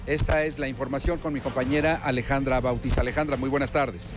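A man's voice: mid-range voice, steady tone, fast talker. A man in his forties with a Mexican accent anchoring a news broadcast from a newsroom. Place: open newsroom with desks and screens.

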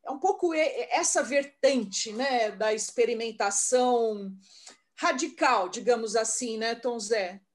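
A woman's voice: a little high, unhurried. A woman with a Brazilian Portuguese accent moderating a talk, enthusiastic and listing ideas with frequent tag questions. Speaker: mediator.

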